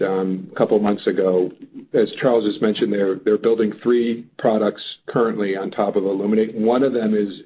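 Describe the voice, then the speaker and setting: A man answering as a company executive on an earnings call, halting but upbeat and emphatic. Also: lowish voice. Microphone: phone or conference call line. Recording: muffled narrow phone line.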